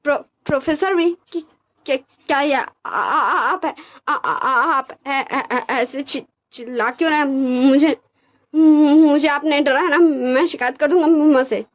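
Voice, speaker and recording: A woman's voice: high voice, moderate pace, long pauses, natural voice. Woman doing a stammering, tearful young husband. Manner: stammering, pleading. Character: timid young married man, scared then defiant. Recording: dull lo-fi recording.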